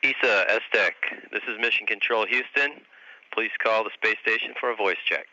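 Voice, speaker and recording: A man at mission control speaking over a space-to-ground radio link, with crisp, clipped call-outs. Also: fairly low pitch, moderate pace, bright, forceful tone, slight background noise. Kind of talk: radio voice procedure. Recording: narrow radio-link band, from afar.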